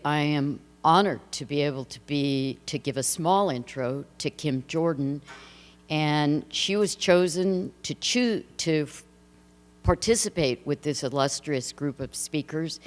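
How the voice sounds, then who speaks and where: A woman hosting an evening lecture, introducing the speaker in a halting way with frequent self-corrections. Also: deep voice. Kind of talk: event introduction. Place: lecture hall. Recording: long reverb of a lecture hall.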